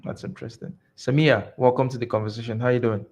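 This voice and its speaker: Gravelly Nigerian-born host. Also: male voice, medium pitch, steady tone, fast, a little mellow. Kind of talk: moderating a group discussion.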